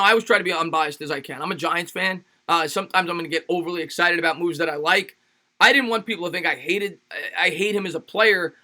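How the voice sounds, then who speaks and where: Bright high-voiced raspy man streaming. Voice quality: slightly raspy. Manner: energetic, hypes up fans. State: tired. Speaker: sports YouTube host reading super chats. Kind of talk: casual livestream chat.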